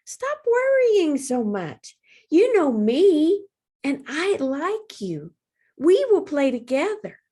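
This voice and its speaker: A woman's voice: high-pitched, very animated, slow, dark tone, voice pushed up, exaggerated voice. A woman voicing a tiny, chatty dragonfly girl in a storybook, an urging and wide-eyed best friend. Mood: reassuring.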